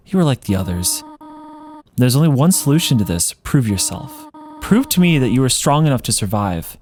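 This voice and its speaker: A man voicing a gentle, doting motherly woman monster from a video game, with a hesitant, fussing, tender manner. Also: mid-range voice, big pitch swings, normal speed, pauses often, natural voice. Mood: grave, stern. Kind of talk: video game character read-along.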